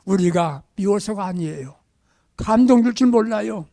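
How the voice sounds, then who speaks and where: A male pastor delivers a sermon with a high, animated voice that rises and falls widely. He presses his points emphatically, then drops to soft, hushed near-whispers. The sound is dry and close, with no room echo. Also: normal speed, gravelly. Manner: emphatic preaching, swings between loud exhortation and hushed near-whispers.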